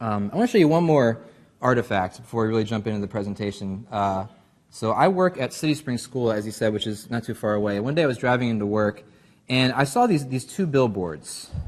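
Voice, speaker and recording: Against a quiet background, a man talks at a medium pitch and a fairly quick pace. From Baltimore area, Maryland. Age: 30s. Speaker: PhD candidate and school IT administrator. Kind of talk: lecture. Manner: fast; halting, many fillers and repeats.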